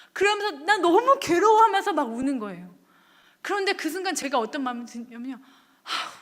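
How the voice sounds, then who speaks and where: A young woman pastor delivers an earnest, emotional sermon in a church. Her very high, sharp voice rises and falls a great deal. A long hall reverb trails each phrase. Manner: earnest and emotional, voice breaking into tears at times. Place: church sanctuary.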